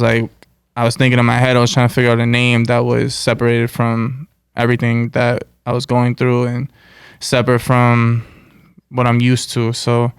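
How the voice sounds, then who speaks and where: An American man chats as an interview guest in a loose, slangy way. His voice has a gravelly edge but stays smooth, and his pitch moves little. The sound is close and dry. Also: no echo. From United States. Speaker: interview guest, musician and producer. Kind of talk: casual chat, slangy.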